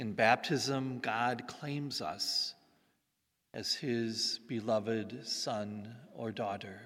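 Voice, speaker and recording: With an Upper Midwest accent, a man speaks at a medium pitch and a very slow pace amid audible room echo. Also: ordinary pitch variation. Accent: Upper Midwest American. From US Midwest, Wisconsin. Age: 50s. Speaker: priest. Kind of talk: sermon.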